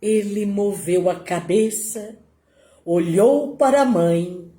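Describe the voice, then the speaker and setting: A woman telling a devotional story in a slow, dramatic, emotional way. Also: mid-range voice, dark tone. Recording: roomy echo.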